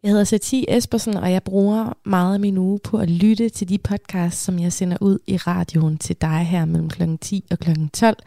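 Woman radio host, mellow tone, dry studio sound, calm clear intros. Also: lowish voice, hardly any pauses, no room sound. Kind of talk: radio presenting.

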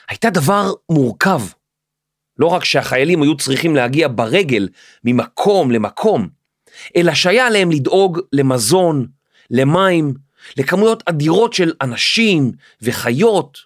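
A man hosting a history podcast, telling the story in a lively, animated scripted narration. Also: fairly high pitch, dry recording, studio quality.

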